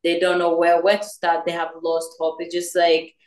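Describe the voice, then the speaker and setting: A young woman from Congo, raised in Uganda, answering interview questions earnestly with many pauses and fillers. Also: fairly low pitch, completely flat delivery, a little mellow. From Democratic Republic of Congo, raised in Uganda. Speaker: guest, nonprofit founder. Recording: roomy echo.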